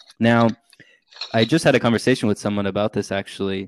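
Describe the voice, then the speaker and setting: A man with a Canadian accent and an ordinary speaking voice talks at a fairly low pitch with ordinary pitch variation, in a very clean recording with a silent background and a dry, close sound with no echo. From Canada, mainly Ottawa. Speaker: spiritual teacher. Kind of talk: casual interview chat.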